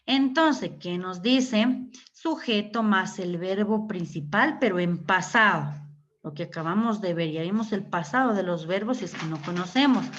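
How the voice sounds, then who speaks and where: A woman's voice: medium pitch, animated, normal speed, a bit bright. A woman from Ecuador teaching English grammar to a class, patiently repeating words and checking that students follow. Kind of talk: online class explanation. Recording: muffled lo-fi audio.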